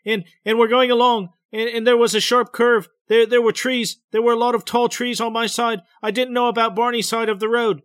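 A man voicing a frightened woman who relives a memory under hypnosis, speaking between sobs in a halting, stammering, breathless way. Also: sits high, fairly bright tone, dry recording, studio quality, voice pushed up. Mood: trembling. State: sobbing.

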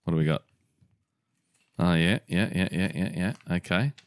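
A man's voice: low voice, moderate pace, clear, resonant tone, no echo. A man co-hosting a podcast, bantering with jokes and swearing in casual chat. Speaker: podcast co-host.

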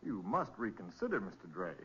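A man's voice: lowish voice, sing-song, brisk, fairly bright tone. An actor playing a polite, fussy businessman with formal, insincere courtesy in a 1940s radio crime drama. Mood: unctuous. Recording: dull, noisy old radio recording.

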